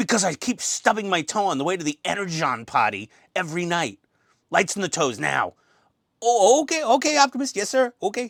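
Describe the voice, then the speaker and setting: At a moderate pace, a man performs a put-on character voice in a high pitch. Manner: comic, imperious then whiny.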